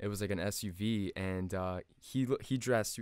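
The man's fairly low voice comes through dry, with no echo at all. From New Jersey. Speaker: dental student; podcast co-host. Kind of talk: casual storytelling. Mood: relaxed, joking. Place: home room. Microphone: studio mic.

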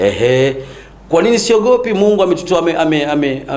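The intonation is lively as a man speaks. His pace is moderate. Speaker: religious teacher. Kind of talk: sermon. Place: studio. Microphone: handheld.

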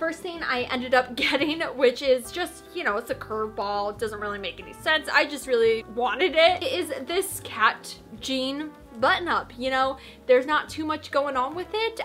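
A woman speaks at a high pitch with big swings in loudness. Faint music plays in the background. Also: moderate pace. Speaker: fashion vlogger. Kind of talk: casual vlog chat. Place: home room. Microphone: camera far.

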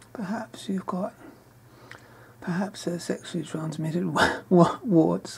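Whispering quietly in a gentle tone, the speaker goes at a fairly slow pace. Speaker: amateur wildlife filmer. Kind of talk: casual talk to camera, soft whispered narration to an animal. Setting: night in a shed, handheld recording. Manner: quiet, whispering, gentle. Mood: affectionate, playful. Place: garage. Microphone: phone near.

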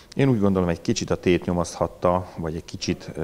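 This is a man talking. His pace is fairly quick. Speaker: swimming coach. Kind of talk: interview. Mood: calm, measured. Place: hall. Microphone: handheld.

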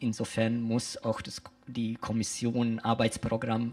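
A man talks at a very slow pace. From Rhineland, western Germany. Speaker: political communication expert; guest. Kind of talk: radio interview. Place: bar. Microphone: handheld.

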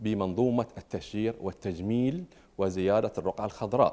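The speaker is a man talking at a fairly slow pace. His pitch shows ordinary variation. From Bahrain. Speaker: government official. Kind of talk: formal interview statement. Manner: formal. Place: meeting room. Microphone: handheld.

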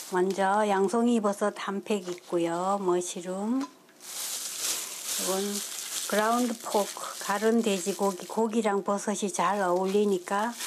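Against noticeable background noise, a woman speaks very slowly in a monotone, flat intonation with long, frequent pauses. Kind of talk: cooking tutorial. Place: kitchen. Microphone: lapel.

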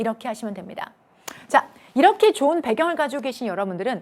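Her pitch swings very widely as this woman speaks. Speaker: English teacher for civil service exam prep. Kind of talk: lecture. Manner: animated.

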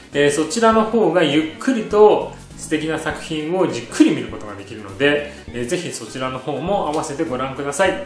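A man at a moderate pace with hardly any pauses and big swings in loudness, over clear music in the background, with audible room echo. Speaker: flower design instructor. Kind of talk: video host introduction. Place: home room.

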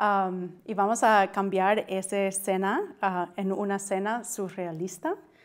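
In a quiet background, a woman of medium pitch speaks with monotone, flat intonation. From US, Miami, Florida; Florida. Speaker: arts center event coordinator; guest. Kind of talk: casual interview, Spanish-English code-switching. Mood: friendly, smiling. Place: studio. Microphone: lapel.

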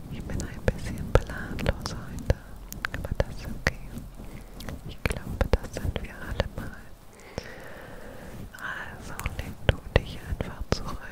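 Whispering and soft-spoken, a woman speaks at a very slow pace with long, frequent pauses. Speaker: ASMR creator. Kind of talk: soft-spoken ASMR roleplay. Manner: soft close-mic ASMR whisper. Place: home room. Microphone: studio mic.

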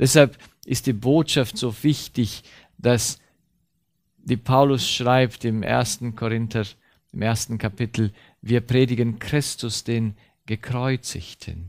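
On a very clean recording with a silent background, a man speaks at a very slow pace with long, frequent pauses, a medium pitch and fairly even intonation. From Romania (German minority). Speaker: Bible teacher. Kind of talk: sermon-style Bible lecture.

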